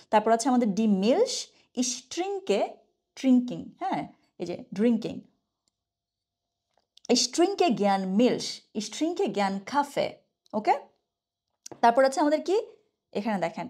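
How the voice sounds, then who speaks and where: A woman giving a casual online German lesson. She chats freely, keeps asking "okay?", and says her example sentences slowly and carefully. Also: fairly high pitch, a little mellow. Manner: chatty, asks "okay?" often, slow careful example sentences. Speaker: German teacher.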